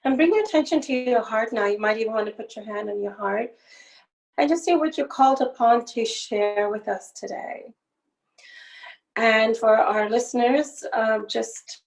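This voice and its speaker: Woman podcast host, fairly high voice, lots of vocal fry, calm guiding tone. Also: low-quality recording. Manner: soothing, slow guided breathing. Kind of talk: guided meditation then interview.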